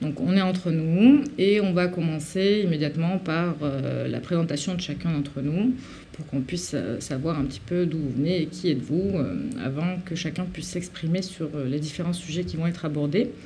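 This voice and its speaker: Noticeable background noise behind a woman's fairly slow, fairly low-pitched speech with ordinary pitch variation. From southern France. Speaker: round table moderator, protester. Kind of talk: moderated round table discussion. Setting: studio.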